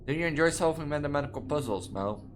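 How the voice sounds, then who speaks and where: A young trans woman with a Dutch accent, reading quiz questions aloud and answering them in a rambling, halting way that restarts words mid-sentence, from her student apartment. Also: deep voice, animated, noisy background. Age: young adult. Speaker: gaming video creator.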